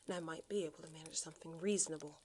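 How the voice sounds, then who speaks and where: A woman's voice: low voice, steady tone, racing, a little mellow, slight background noise, pitched below the performer's own voice, lightly acted. A woman playing a bitter, guarded, sarcastic woman in a sci-fi audio drama, curt and profane. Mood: sarcastic, resentful.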